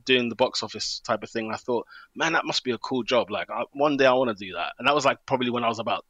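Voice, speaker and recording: Fast-talking bright-voiced man in his thirties. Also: medium pitch, dry recording. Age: 30s. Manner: quick, animated storytelling with laughs. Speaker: stadium announcer, guest. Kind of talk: conversational interview.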